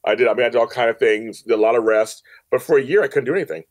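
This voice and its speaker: A man's voice: mid-range voice, very fast. A man speaking as a podcast guest, telling personal stories casually and emphatically, often repeating phrases for stress. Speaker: podcast guest, audio drama producer. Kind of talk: personal storytelling in a casual interview.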